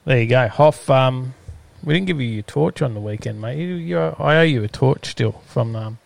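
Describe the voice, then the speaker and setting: A man's voice: medium pitch, animated, normal speed, gravelly, no echo. An Australian man hosting a live stream in casual, rambling chat, hesitating often as he goes. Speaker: host of a live-streamed show.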